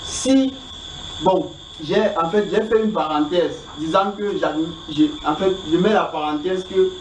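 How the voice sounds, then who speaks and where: A man asking questions about the Bible in a halting, roundabout way, repeating himself often. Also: sits high. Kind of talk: informal spoken question. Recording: echoey, distant, noisy pickup.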